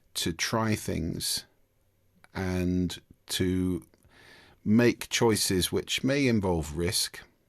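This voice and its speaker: This man has a British accent and a fairly low pitch with ordinary pitch variation. The background is quiet. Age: 60s. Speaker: speaking expert. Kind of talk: interview.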